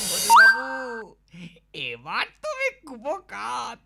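A woman's voice: extremely high pitch, gravelly, very noisy, exaggerated voice. A woman voicing a scheming, boastful boy in a children's comedy cartoon, theatrical and exclamatory. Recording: music behind the voice. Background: music.

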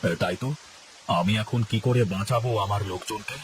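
A man voicing an anxious, generous village landlord in a cartoon, speaking low and pleading. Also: brisk, slight background noise, close to an everyday voice. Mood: worried. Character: worried old village landlord, male, generous. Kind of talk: cartoon voice acting.

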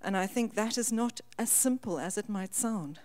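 A woman's voice: mid-range voice, moderate pace, a little mellow. A woman speaking earnestly as a panelist into a handheld mic. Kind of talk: panel discussion. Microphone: handheld microphone.

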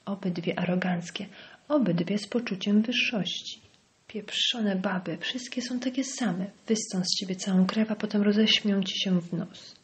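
A woman's voice: mid-range voice, normal speed, lightly acted. A woman voicing a bitter, venomous middle-aged male village doctor in an audiobook, sneering and dropping into hissed whispers. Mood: spiteful. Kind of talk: audiobook character voice.

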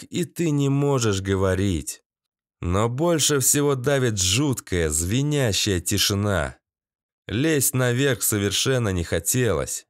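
A man narrating a post-apocalyptic audiobook in the first person, with an expressive, dramatic reading. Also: medium pitch, no room sound, clean studio sound.

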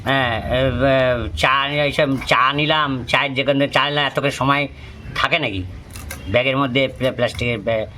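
A middle-aged man chatting casually in halting short phrases. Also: mid-range voice, fairly even intonation, sharp tone. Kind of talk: casual chat. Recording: home recording with faint noise.

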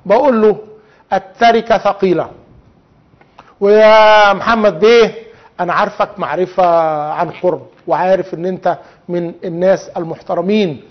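A man with an Egyptian accent hosting a television talk show, speaking in an indignant, rhetorical way and calling out officials directly. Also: high-pitched. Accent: Egyptian Arabic. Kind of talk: televised monologue. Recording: dull lo-fi TV audio.

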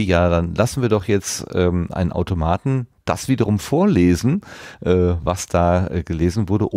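A man's voice: sits low, dark tone, dry recording, clean studio sound. A man hosting a podcast in a casual, conversational style. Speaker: podcast host.

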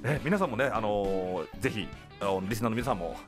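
A man's voice: fairly low pitch, expressive, a little fast, music in the background. A man hosting a radio variety show in a studio, cheerful and often laughing as he announces a game. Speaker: radio host. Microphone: studio boom mic.

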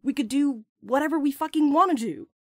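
A woman's voice: high voice, fairly quick, no room sound, clean studio sound. An actress playing a brash, impulsive young woman with crude, sarcastic banter in an audio drama. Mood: urgent. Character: brash, playful, impulsive young postal worker friend.

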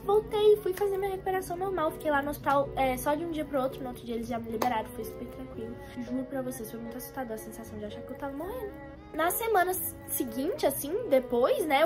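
A young woman vlogger dramatically retelling a personal story to her viewers, acting out what people said. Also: high voice. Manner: dramatic, retells scenes in quoted voices; addresses viewers as "galera" and "gente". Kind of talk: animated storytime vlog.

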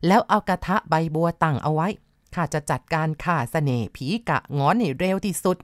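A woman's voice: low-pitched, lively intonation, brisk, no echo, clean studio sound. A woman voicing a stern old woman exorcist who gives harsh, commanding orders. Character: stern old female village exorcist, forceful.

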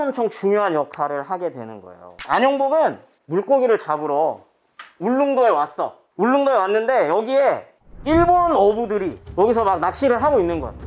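A woman teaching history to a class of children, telling the story and quizzing the pupils as she goes. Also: a little high. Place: school classroom.

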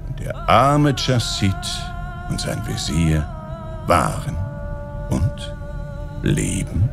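Märchenvorleser, sehr melodisch, leise Musik dahinter. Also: male voice, medium pitch, slow, creaky, music in the background. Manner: expressive storytelling. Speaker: audiobook narrator. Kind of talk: fairy tale reading.

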